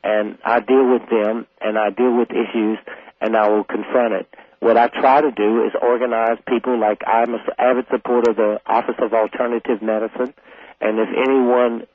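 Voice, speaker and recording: A man in his forties from South Carolina speaks calmly and earnestly at length. His voice comes over a thin, tinny phone line with a dry sound. He sits at an ordinary middle pitch. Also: normal speed, no room sound. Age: 40s. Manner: calm, earnest and long-winded. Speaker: radio guest. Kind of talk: call-in radio conversation.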